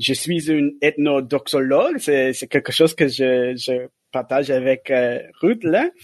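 With an American accent, a man speaks very slowly at a fairly high pitch and with ordinary pitch variation. The sound is dry and close, with no echo. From United States. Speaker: seminary professor. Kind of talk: panel discussion. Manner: halting.

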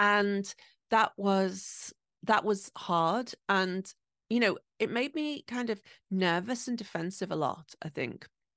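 Against a quiet background with a dry, close sound and no echo, a woman speaks at a very slow pace with lively intonation at a medium pitch. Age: 50s. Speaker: podcast host and coach. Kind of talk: solo reflective monologue. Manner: chatty, reflective.

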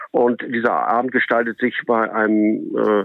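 A man speaks in a normal speaking voice at a medium pitch. His pace is fairly slow. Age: 50s. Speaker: SAP licensing consultant and network founder. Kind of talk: interview. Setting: phone call.

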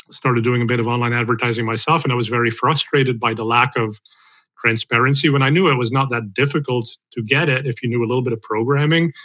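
Talking at a very fast pace, a man with a Dutch accent keeps a medium pitch and fairly even intonation. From Belgium. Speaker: marketing software founder, former Google employee. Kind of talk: interview.

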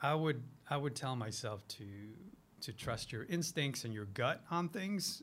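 A man with an ordinary speaking voice, pitched fairly high. His intonation is lively and his pace fairly slow. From US, child of Filipino immigrants. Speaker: business owner, studio founder. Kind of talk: interview, casual chat. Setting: studio, standing. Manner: many fillers and repeated words.

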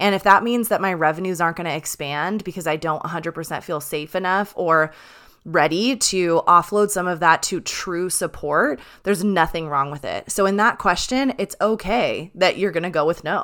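With an animated, bright and sharp tone, a woman speaks at a moderate pace and with ordinary pitch variation on a very clean recording with a silent background. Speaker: podcast host, HR professional. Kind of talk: solo podcast monologue.

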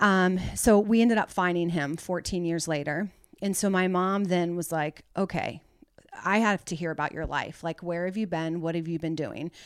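Speaking at a moderate pace, a woman with a plain, everyday voice keeps a fairly low pitch and fairly even intonation. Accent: American. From US South, Atlanta. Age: 40s. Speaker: podcast guest sharing mental health story. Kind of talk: casual interview.

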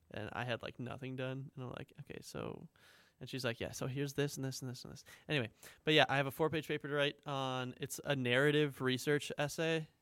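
A man with an Upper Midwest accent talks at a fairly quick pace in a monotone, flat delivery. His pitch is medium, while his loudness swings widely. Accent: Upper Midwest American. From rural Minnesota. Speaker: college podcast co-host. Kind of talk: casual chat.

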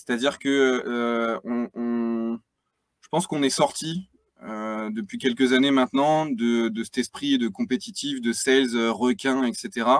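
At a very slow pace, a man with a medium pitch and ordinary pitch variation talks in a dry, close sound with no echo. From northern France, Aisne. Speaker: head of sales. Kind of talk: interview. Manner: halting, many repetitions.

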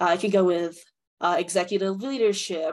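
Against a quiet background, a woman with an American accent speaks in a plain, everyday voice at medium pitch with ordinary pitch variation. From United States, Filipino American family. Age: 20s. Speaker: DEI consultant. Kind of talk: casual interview.

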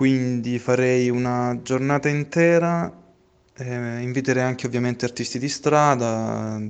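A man speaks at a fairly slow pace with long, frequent pauses. His medium-pitched voice keeps fairly even intonation. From Puglia, Italy. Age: 20s. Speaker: engineering student and volunteer. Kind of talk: casual interview answers.

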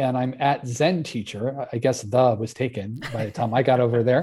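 A man's somewhat breathy, dark and mellow voice at medium pitch, fairly quick in pace, over a quiet background. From California, San Diego. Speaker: teacher and author. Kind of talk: interview.

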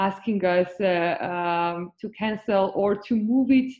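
A woman speaks with a Georgian accent at a medium pitch. Her pitch varies in an ordinary way. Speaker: LGBTQ rights activist. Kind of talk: panel interview.

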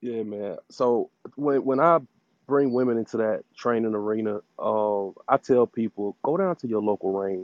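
A man talks at a moderate pace in a medium pitch, with ordinary pitch variation. His is a plain, everyday voice. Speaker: audience participant. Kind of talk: live audio room debate. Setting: live online audio room.

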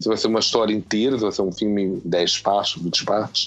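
An ordinary speaking voice from a man, ordinary pitch variation, moderate pace. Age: 40s. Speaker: filmmaker. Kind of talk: casual chat.

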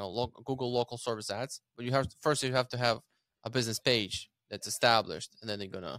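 Over a silent background on a very clean recording, a man with a Ukrainian accent talks at a fairly quick pace. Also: dry, close sound with no echo. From Ukraine. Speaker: real estate team leader. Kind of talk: interview. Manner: halting.

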